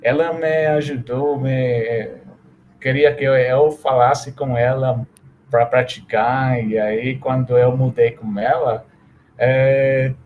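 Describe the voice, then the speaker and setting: Casting: man from the US, interview guest, easygoing, halting, mid-pitched voice. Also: slight background noise. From United States. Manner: relaxed, many fillers, mixes in Portuguese. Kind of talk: casual interview, live stream.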